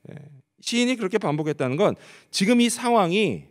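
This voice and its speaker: A man's voice: high-pitched, very animated, fairly quick. A man preaching a sermon as pastor, asking the congregation rhetorical questions and answering them. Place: church sanctuary. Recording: long church hall reverb.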